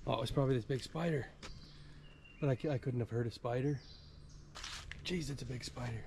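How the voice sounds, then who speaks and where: A man's voice: mid-range voice, a little fast, vocal fry, background noise. A male travel vlogger talking casually and joking to himself while hiking outdoors in a rainforest, recorded on a handheld camera. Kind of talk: casual solo travel vlog narration.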